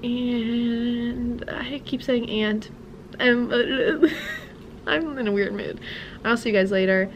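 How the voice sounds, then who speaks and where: A woman's voice: a little high, very animated, slow, a little hiss or hum. A young woman, a music teacher, chatting casually and rambling with laughs as she vlogs from her car. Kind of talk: casual vlog chat.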